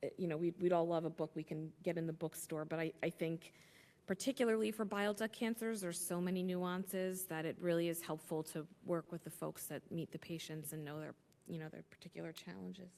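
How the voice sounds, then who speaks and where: Brief: female moderator, informal and jokey, slightly low voice, in an echoey hall. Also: steady tone, brisk, creaky, darkish tone. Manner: informal, repeats words, joking. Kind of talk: introducing speakers at a symposium. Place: large conference hall.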